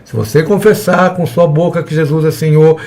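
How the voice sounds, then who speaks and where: A man's voice: a little high, steady tone, moderate pace, a little mellow. A man teaching a church evangelism class in a conversational way, acting out little dialogues with the people he talks to. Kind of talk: church seminar lesson.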